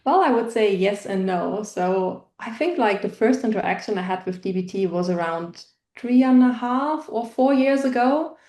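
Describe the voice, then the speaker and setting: A woman's voice: medium pitch, animated, normal speed, few pauses, warm tone. A woman from Germany, an analytics engineer, answering interview questions over a video call in a friendly, methodical way. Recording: echoey room on a video call.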